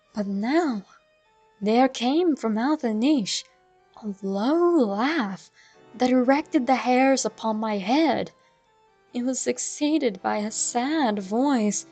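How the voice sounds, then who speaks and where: Slow, dramatic woman horror narrator. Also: mid-range voice, vocal fry. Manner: slow, measured and darkly dramatic. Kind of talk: dramatic reading of a classic tale. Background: faint music.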